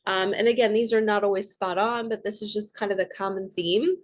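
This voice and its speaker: A woman speaks at a middle pitch, giving a casual, heartfelt spiritual reading to her viewers. She rambles warmly and earnestly from one thought to the next. Her voice comes out a little froggy and nasal. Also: steady tone, fairly quick. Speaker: spiritual coach and tarot reader.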